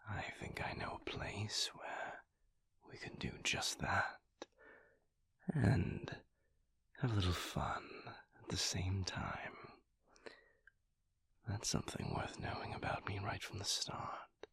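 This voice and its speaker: A man's voice: deep voice, a bit bright, no room sound, heavily acted. Man acting a whispering, languid vampire lover. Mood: teasing, seductive. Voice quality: breathy, whispery, gravelly. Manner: slow, languid, formal wording with pauses. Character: seductive, weary, refined male vampire lover. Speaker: audio roleplay voice actor. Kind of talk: intimate romantic audio roleplay.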